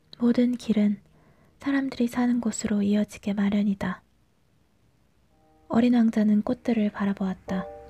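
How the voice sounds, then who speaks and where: With music in the background, a woman talks at a moderate pace in a gentle tone, her fairly high voice holding a fairly even intonation and very even loudness, broken by long, frequent pauses, in a dry, close sound with no echo. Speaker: audiobook reader. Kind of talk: narration of a classic fairy tale. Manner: soft, gentle, emotional.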